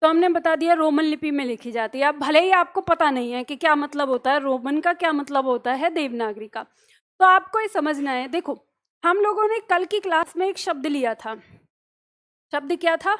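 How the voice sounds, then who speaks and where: A woman's voice: high voice, moderate pace, a bit bright. A woman teaching a Hindi grammar class, explaining patiently with everyday examples and asking questions that she then answers herself.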